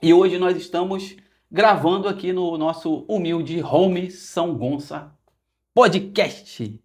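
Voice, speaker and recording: A man's voice: high voice, slow pace. A man with a Rio de Janeiro area Brazilian accent hosting a podcast interview, joking and playful as he chats with his guest. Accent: Brazilian Portuguese, Rio de Janeiro area. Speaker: podcast host. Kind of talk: casual interview chat.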